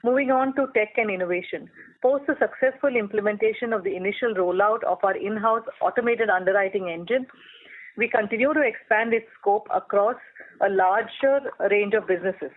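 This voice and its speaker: An executive reading a scripted earnings presentation in a formal, measured corporate manner. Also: medium pitch. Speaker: company executive presenting results. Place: telephone conference call. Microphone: phone line. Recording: tinny, narrowband phone line.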